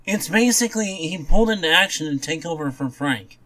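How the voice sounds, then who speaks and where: A man's voice: on the high side, expressive, brisk, sharp tone. A man co-hosting a podcast in casual, blunt chat about comics, dismissive and given to offhand swearing. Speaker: podcast co-host.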